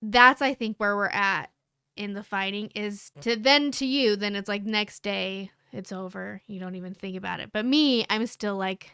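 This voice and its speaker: A woman's voice: mid-range voice, normal speed, gravelly, sharp tone, smooth, no room sound, studio quality. A woman co-hosting a candid couple's conversation, earnest and rambling with many fillers. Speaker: podcast co-host.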